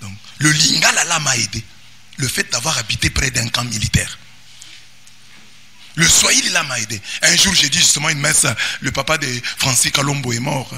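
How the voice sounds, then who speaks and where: A man with a Congolese French accent, a priest giving an animated sermon that often rises to shouts and singsong. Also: on the high side, normal speed, husky. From Democratic Republic of the Congo. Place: parish church.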